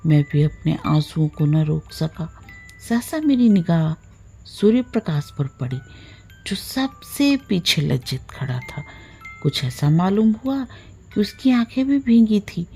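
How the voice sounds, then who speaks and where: A woman narrating a literary story from a script, with measured, deliberate phrasing. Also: fairly low pitch, sing-song, mellow, faint music behind. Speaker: storyteller, audiobook-style reader.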